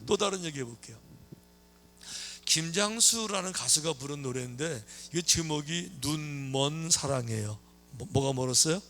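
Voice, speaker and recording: A man preaching a sermon as a pastor, telling stories in a lively way, acting out the characters' lines and tossing questions at the congregation. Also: a little high, moderate pace, slight background noise. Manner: lively storytelling, acting out quoted lines, chatty asides to the congregation. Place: church sanctuary.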